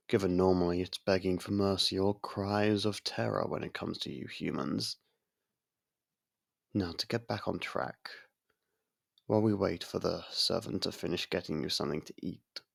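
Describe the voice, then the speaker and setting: A man playing an aloof centuries-old vampire who grudgingly cares for a human, in an intimate ASMR roleplay, gravelly, husky and measured with a slightly haughty, halting delivery. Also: sits low, a bit bright, exaggerated voice. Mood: awkward, haughty.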